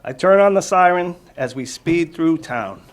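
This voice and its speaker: A man's voice: a little high, lively intonation, measured pace. A man reading a picture book aloud to children as a firefighter, with casual asides and simple explanations. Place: room with a small audience of children. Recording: noisy live room recording.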